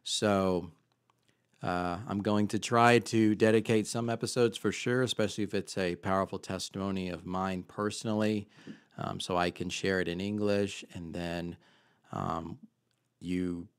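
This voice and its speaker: Man in his thirties, podcast host, earnest and chatty, smooth voice, dry close mic. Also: low voice, fairly even intonation, unhurried, dry recording. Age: 30s. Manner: chatty, earnest, loose with fillers. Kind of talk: casual faith podcast monologue. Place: home office, indoors. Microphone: handheld mic close to mouth.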